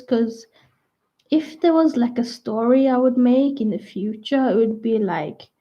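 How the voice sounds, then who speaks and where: A young adult woman rambling casually to her viewers, full of "like" and restarts, her voice croaky at times. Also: on the high side. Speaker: vlogger. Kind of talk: rambling casual chat to camera. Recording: dull lo-fi sound.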